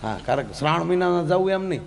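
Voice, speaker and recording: A man tells comic devotional folk stories in a high, lively voice. He chants, teases the audience and acts out the quotes. His delivery stays animated throughout. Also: very fast, creaky. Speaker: folk storyteller and comedian.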